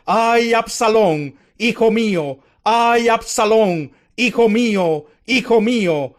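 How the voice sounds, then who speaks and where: A man reading King David, a grieving old father. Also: high voice. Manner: lamenting, drawn-out cries.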